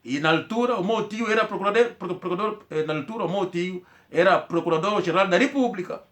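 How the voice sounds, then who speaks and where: Man, slightly high voice, casual rambling storyteller who repeats himself and acts out what people said. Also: fast talker, fairly bright tone. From Angola. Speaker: commentator telling a personal story.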